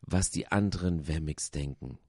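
Guy doing a big gentle woodcarver, deep strong voice, reassuring, dark tone. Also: slightly rough, no room sound, studio quality. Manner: warm, reassuring, slow. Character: big bearded kindly male woodcarver.

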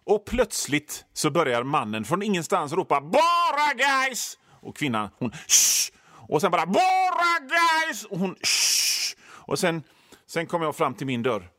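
A man's voice: a little high, lively intonation, a bit bright, no room sound, studio quality. A man hosting a podcast, talking in a rambling, ironic, improvised comic monologue full of restarts. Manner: improvised, self-interrupting, ironic.

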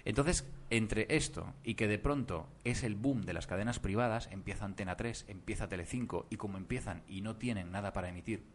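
Very deep-voiced man telling dubbing stories. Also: a little fast, hardly any pauses, slight background noise. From Germany. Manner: animated storytelling, many asides. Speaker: voice actor guest. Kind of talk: casual podcast interview.

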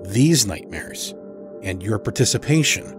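A man's voice: fairly low pitch, very animated, measured pace, over music. A man hosting a podcast, reading a scripted introduction. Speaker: podcast host.

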